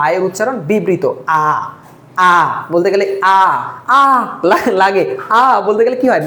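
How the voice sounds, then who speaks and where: A woman's voice: medium pitch, roomy sound, a little hiss or hum. A woman teaching a live online exam-prep class, drilling terms by repeating them and asking and answering her own questions.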